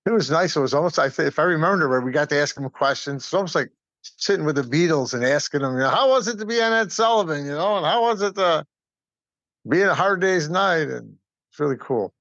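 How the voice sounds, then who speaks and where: A man's voice: a little high, lively intonation, quick pace, a bit bright, no room sound. An American man of middle age or older telling casual stories as an amateur actor on a slightly dull recording. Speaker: community theater actor and podcast guest. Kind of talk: casual storytelling.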